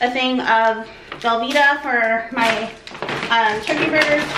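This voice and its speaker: Noticeable background noise behind a woman's fairly slow delivery, her pitch varying in an ordinary way. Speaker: vlogger. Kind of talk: casual vlog chat. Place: kitchen. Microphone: camera far.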